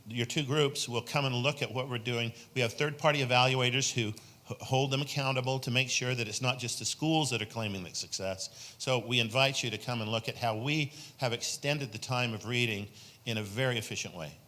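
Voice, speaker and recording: A man's voice: medium pitch, fairly even intonation, fairly quick, bright, forceful tone. A man, a state senator, speaking from the floor at a conference session, earnestly promoting a program at length. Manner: earnest, promotional, long-winded. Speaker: state senator asking a question.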